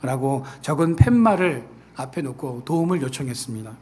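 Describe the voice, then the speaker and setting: A man preaching a sermon as pastor, who acts out quoted people in lively voices and then falls back to a soft, earnest tone. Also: medium pitch, a little fast, slightly rough. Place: church sanctuary.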